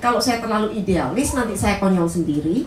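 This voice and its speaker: In a Surabaya accent, a woman speaks at a fairly quick pace with lively intonation and a medium pitch. Audible room echo and noticeable background noise surround her voice. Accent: Surabaya accent, kept. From Surabaya, Indonesia. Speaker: writer and academic. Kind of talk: book discussion interview. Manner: casual, conversational.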